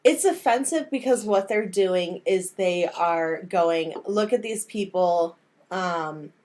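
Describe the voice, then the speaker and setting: A woman's voice: fairly low pitch, slow, a little mellow. Rambling American woman chatting casually. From United States. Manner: rambling, self-deprecating. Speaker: podcast co-host. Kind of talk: casual movie podcast chat.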